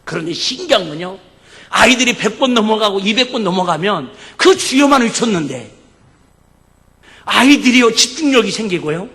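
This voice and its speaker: An animated male pastor preaching with sharp, bright energy, joking back and forth with his congregation and breaking into shouts. His high, lively voice rings through a reverberant church sanctuary. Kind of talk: sermon. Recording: echoey church hall.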